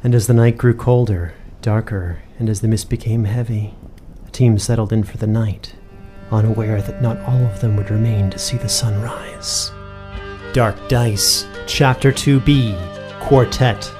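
A man reading scripted audio drama narration and credits in a measured, deliberate way. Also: on the low side, steady tone, music in the background.

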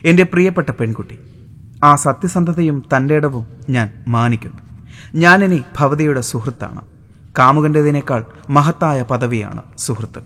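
A man voicing an earnest, courteous young American suitor in an audiobook, speaking gently and formally. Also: on the high side, normal speed. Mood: tender.

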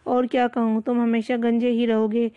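A woman voicing a cheeky, teasing male jungle sidekick with quick, mocking retorts. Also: on the high side, level tone, no room sound, muffled recording, lightly acted.

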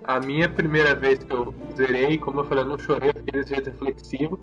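A man telling a story in casual podcast chat, animated and expressive, repeating words for emphasis. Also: mid-range voice, quick pace, muffled recording, soft background music.

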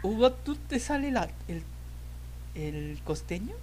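A man with a Mexican accent hosting a podcast chat, joking, laughing often and breaking into loud excited exclamations. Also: high voice, slow. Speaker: podcast host. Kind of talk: casual chat.

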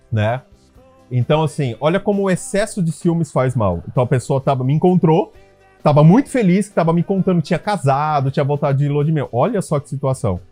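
A man with a mellow, warm voice tells stories in a chatty monologue, his pitch leaping around as he acts out other people's lines. He throws in frequent tag questions and addresses the listener directly. Faint music plays underneath. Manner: lively, acts out quoted voices with big pitch jumps; conversational, many tag questions and fillers. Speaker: relationship and couples wellness speaker. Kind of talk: casual storytelling monologue to listeners.

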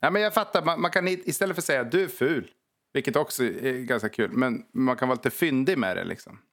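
A man co-hosting a podcast in a joking, goofy way, playing along with the advice as if he were taking notes. His voice sits at an ordinary middle pitch. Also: fairly bright tone. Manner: joking, mock note-taking. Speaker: podcast co-host. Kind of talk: podcast chat.

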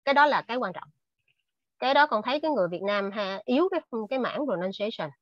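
A woman's voice: on the high side, animated, quick pace, dry recording. A woman shares advice earnestly on a video call, restarting her sentences often. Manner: earnest, with many fillers and restarts. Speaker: invited speaker. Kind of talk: casual talk on a video call. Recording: dull lo-fi video call audio.

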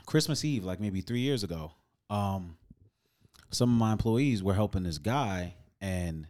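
A man's voice: lowish voice, darkish tone. A man with an African American New York accent telling a story casually as a podcast host, using street slang and acting out dialogue.

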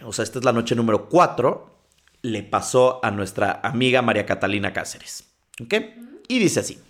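A man hosting a podcast in casual chat, reading listener stories aloud, often stumbling and wandering off into his own comments. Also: mid-range voice. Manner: digressive, stumbles while reading and comments as he goes. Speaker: podcast host.

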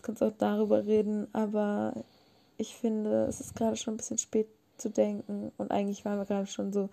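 A woman's voice: mid-range voice, gravelly, dark tone. A tired young woman hosting a casual podcast, teasing her guest and laughing often, late at night from bed. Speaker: podcast host. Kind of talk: casual chat.

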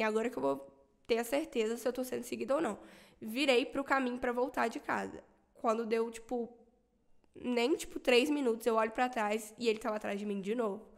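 Young brazilian woman, mineira accent, animated podcast guest, kinda high voice. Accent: Brazilian Portuguese, Minas Gerais. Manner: animated, laughs while telling a scary story. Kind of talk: casual storytelling.

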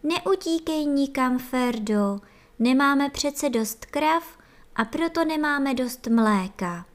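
A woman's voice: on the high side, lively intonation, voice pushed up, lightly acted. A woman voicing fussy, caring female nurse ants in a storybook, in a worried, calling manner.

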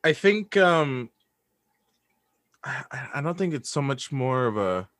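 A man's voice: medium pitch, sing-song, slow pace, fairly bright tone, no echo, clean studio sound. A man being interviewed as a guest, speaking casually and reflectively in a hesitant, self-deprecating way. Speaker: interview guest, audio drama writer.

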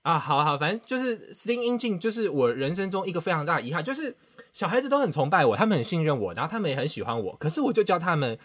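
A man's voice: on the high side, very animated, fast, a bit bright. A man, hosting a podcast and telling a self-mocking story with dramatic outbursts. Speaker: podcast host. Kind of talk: casual storytelling chat.

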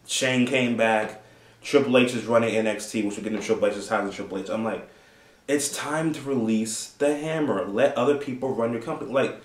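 A young man in his twenties talks through a casual solo commentary, rambling and laughing between points in a lowish voice. He sits a bit back from the mic, and the room around him rings with echo. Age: 20s. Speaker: host. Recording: roomy, distant from the mic.

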